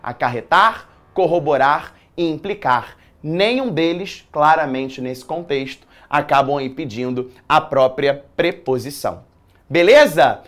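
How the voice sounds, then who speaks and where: Lively slangy male writing teacher. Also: on the high side, measured pace. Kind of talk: exam prep lesson.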